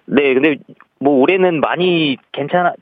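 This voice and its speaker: A man's voice: fairly high pitch, moderate pace, no echo. A male caller on a radio phone-in, answering politely in short replies. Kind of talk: phone-in chat. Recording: tinny phone line.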